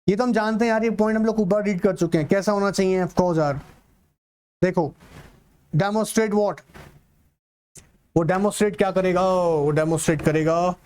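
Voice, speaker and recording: An Indian man lecturing students in an online class, mixing Hindi and English, reading English lines slowly and then explaining quickly, often repeating points and telling them to remember. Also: sits high, a little mellow. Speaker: teacher. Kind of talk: online exam-prep lecture.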